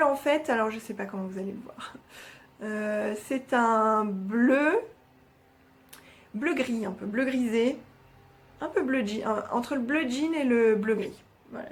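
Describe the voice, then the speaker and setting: Young woman chatting about her knitting, slightly high voice, lots of euhs and little laughs. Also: a little hiss or hum. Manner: chatty, hesitant, many fillers and laughs. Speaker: knitting podcast host. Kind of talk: casual chat showing knitting projects.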